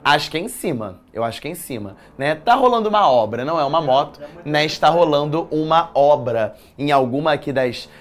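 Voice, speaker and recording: A Brazilian-accented man with a voice on the high side teaches a live online exam-prep writing class from a studio in a commercial building. He talks fairly fast with few pauses, chatty and lively, quizzing viewers and tossing in slangy asides.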